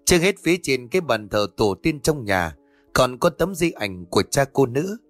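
A man calmly narrating a ghost story in a steady, measured way. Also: mid-range voice, dry recording. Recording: dry voice over faint music.

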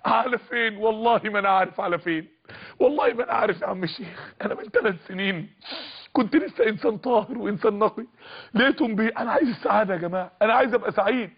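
A man's voice: sits high, rapid-fire, breathy edge, highs cut off. A man with an Egyptian accent voicing a troubled young man who stammers and pleads. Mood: pleading.

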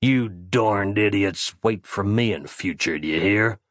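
Male narrator doing a villainous small-town sheriff: low, slow, drawling, contemptuous. Dry close recording. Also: fairly bright tone, no room sound. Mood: menacing. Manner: slow drawling folksy speech, scornful. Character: menacing folksy frontier sheriff, middle-aged man. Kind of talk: audio drama character voice.

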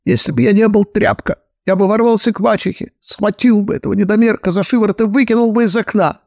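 A man's voice: sits high, quick pace, gravelly, a little mellow, no echo, clean studio sound, pitched above the performer's own voice. A man voicing a plump, tearful young man who wails and sobs out self-pitying complaints. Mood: wailing. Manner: wailing, sobbing complaints.

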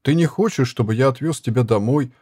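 A weary wandering herbalist talks in a firm, sceptical way, as a male reader plays him. His voice is mellow and dark, and the sound is dry and close. He is a storybook figure, not a young one. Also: mid-range voice, brisk, breathy edge, dry recording, voice pushed up, close to an everyday voice. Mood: stern.

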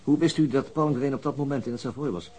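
A man acting a brisk, dry, overworked police detective in a radio drama, with a wry manner. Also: medium pitch, a little mellow, natural voice. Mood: commanding.

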